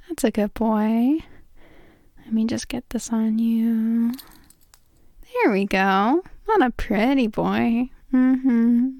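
Slow, intimate woman with a creaky murmur. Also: on the high side, no echo, studio quality. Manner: breathy murmurs, soft whispering, drawn-out cooing praise. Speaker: erotic audio performer playing a dominant, affectionate lover. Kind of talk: intimate erotic audio roleplay addressed to the listener.

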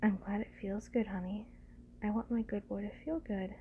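A woman playing a doting, teasing lover in an intimate ASMR roleplay, speaking gently and soothingly in a breathy voice that often slips into whispers. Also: mid-range voice, steady tone, normal speed, phone-quality sound, a little hiss or hum, close to an everyday voice. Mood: gentle, teasing.

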